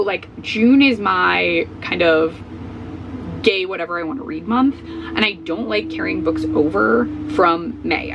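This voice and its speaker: Slightly hoarse woman, gravelly chatty vlogger. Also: mid-range voice, fairly bright tone, poor audio. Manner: rambling, filler-heavy, self-correcting. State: slightly hoarse, voice coming back. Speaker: book vlogger. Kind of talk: casual chat. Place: at home, traffic noise outside. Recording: faint outdoor truck noise.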